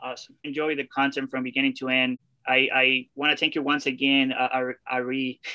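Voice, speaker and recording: A man speaks with a Spanish accent. His medium-pitched voice is monotone and flat. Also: moderate pace. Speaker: podcast host. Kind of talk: interview.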